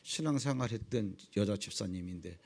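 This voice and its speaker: A middle-aged man preaching a sermon as pastor, acting out dialogues and dropping suddenly to low, quiet tones. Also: animated, fairly quick, creaky.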